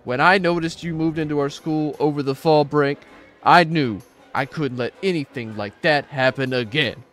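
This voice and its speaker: A man's voice: fairly high pitch, moderate pace, a bit bright, soft background music, close to an everyday voice. A man playing a weary, earnest school teacher who speaks confidingly in a voiced roleplay drama.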